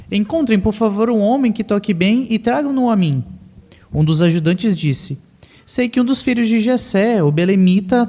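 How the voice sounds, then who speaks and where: A man with a high voice but a dark, mellow tone reads scripture aloud at a congregation meeting. He keeps a steady, careful pace. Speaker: congregation member reading scripture. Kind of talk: reading aloud from the Bible.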